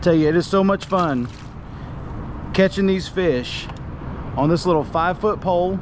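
A man speaks at a fairly slow pace in a high pitch with ordinary pitch variation. Noticeable background noise sits behind him. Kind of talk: casual fishing commentary. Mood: relaxed, enjoying himself. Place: boat. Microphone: phone near.

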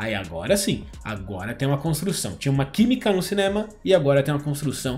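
Faint music plays in the background. A man speaks fairly quickly in an animated tone. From Brazil. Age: 30s. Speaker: YouTuber, pop culture reviewer. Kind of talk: casual video review. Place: home room. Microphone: studio mic.

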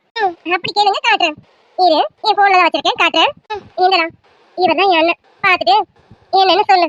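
A cartoonish character voice from a woman, extremely high-pitched and fairly quick. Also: ordinary pitch variation. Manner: pleading, persistent.

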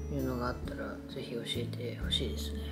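A woman's voice over loud background music. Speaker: vlogger. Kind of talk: casual vlog chat. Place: home room. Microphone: camera far.

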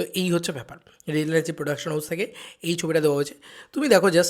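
On a very clean recording with a silent background, a man speaks at a high pitch in an animated tone. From West Bengal, India. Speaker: YouTuber film commentator. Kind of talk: video commentary.

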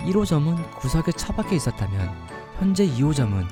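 A man talks at a moderate pace with music in the background. His pitch swings very widely. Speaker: hair salon owner. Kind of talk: ASMR radio-style personal story. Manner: soft-spoken, whispered.

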